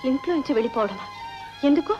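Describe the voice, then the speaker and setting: Anxious young wife, pleading, high voice, fast. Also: female voice, lively intonation, a little mellow, highs cut off, faint music behind.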